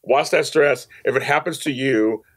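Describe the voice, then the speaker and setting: Appearing on a podcast, an audio drama producer tells personal stories in a casual interview. His medium-pitched voice moves at a moderate pace, and he's emphatic, frequently repeating phrases to drive points home.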